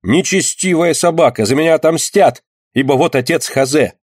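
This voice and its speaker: A man voicing a sharp-tongued, pious young townswoman who scolds and accuses in a shrill way. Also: moderate pace, breathy edge, dry recording, studio quality. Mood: furious.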